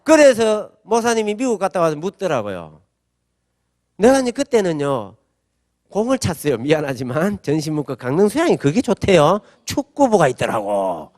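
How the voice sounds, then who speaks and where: Lively pastor preaching to a congregation. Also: male voice, a little high, normal speed, no echo, clean studio sound. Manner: animated storytelling with acted-out quotes; asks the audience call-and-response questions. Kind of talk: sermon.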